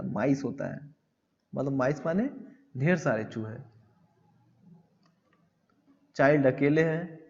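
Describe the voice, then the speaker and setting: A man teaching grammar at a slow, unhurried pace, his voice sitting a little high. He reads English lines slowly, explains them, and answers his own questions. The lo-fi recording sounds dull, with a long reverb trailing behind. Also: vocal fry, darkish tone. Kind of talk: classroom-style lesson on English grammar.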